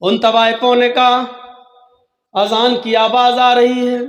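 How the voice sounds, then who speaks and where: A man's voice: extremely high pitch, flat delivery, takes it slowly. A man preaching a Muslim sermon, telling a cautionary story in a declamatory, dramatic way. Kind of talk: impassioned religious sermon told as a cautionary story.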